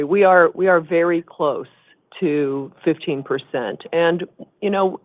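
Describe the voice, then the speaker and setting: A woman chief executive answering questions on an earnings call in a measured, explanatory way. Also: low voice, no room sound. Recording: muffled narrowband conference phone line.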